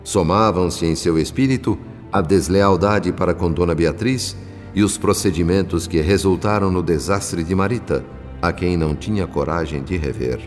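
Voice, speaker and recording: A man's voice: deep voice, moderate pace, darkish tone, close to an everyday voice. A man playing the solemn narrator of a Brazilian radio drama, with a Brazilian accent and a formal, literary delivery. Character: solemn spirit narrator, grave and literary observer. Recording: long reverb under faint music.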